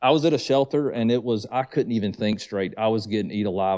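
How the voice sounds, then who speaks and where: A man with a Southern US accent talks at a very fast pace. His pitch is fairly low, and the background is quiet. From US South, north Georgia. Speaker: thru hiker and hiking YouTuber. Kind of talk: casual chat.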